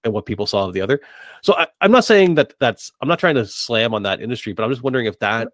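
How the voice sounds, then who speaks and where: A man's voice: mid-range voice, expressive, fast talker, no echo. Middle-aged man, casual and hesitant, dry sound. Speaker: podcast host. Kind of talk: casual discussion of tabletop gaming.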